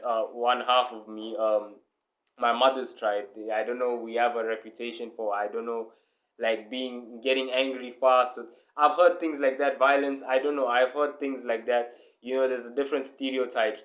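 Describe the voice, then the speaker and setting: A young man from South Africa, host of a reaction video, talking casually and rambling, with lots of filler words and some swearing. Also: medium pitch.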